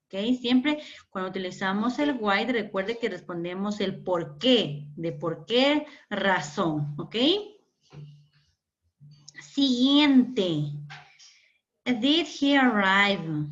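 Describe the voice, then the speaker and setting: A woman teacher takes her class through a lesson at an unhurried pace. She repeats each word, quizzes her pupils and praises their answers, in a mid-pitched voice. The recording sounds dull and lo-fi. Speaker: English teacher.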